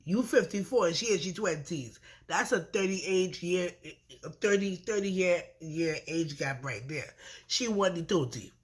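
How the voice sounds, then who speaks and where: A woman's voice: fairly low pitch, lively intonation, a little slow. A woman with a stuffy nose from allergies, recapping a reality show in a chatty, blunt and profane way. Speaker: reality TV reviewer. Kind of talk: casual recap vlog.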